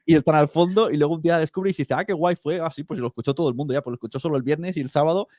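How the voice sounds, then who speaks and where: A man's voice: fairly high pitch, very fast, darkish tone, no room sound, studio quality. A middle-aged man with an accent from Spain, chatting informally and jokily as a podcast host. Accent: Spanish from Spain. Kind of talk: casual conversational interview.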